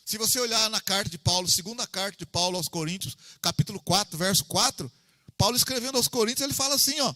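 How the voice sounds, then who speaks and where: Brazilian guy preaching a bible study, chatty and repeating himself, bright sharp tone, dry close sound. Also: high-pitched, quick pace, no echo, long reverb tail. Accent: Brazilian Portuguese. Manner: conversational, repeats himself, asks the listeners for "amém". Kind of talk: informal sermon teaching.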